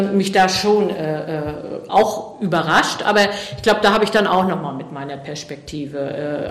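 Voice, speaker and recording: A middle-aged woman from East Germany answers interview questions thoughtfully, with many fillers and restarts. Her voice is on the low side, and the recording is reverberant.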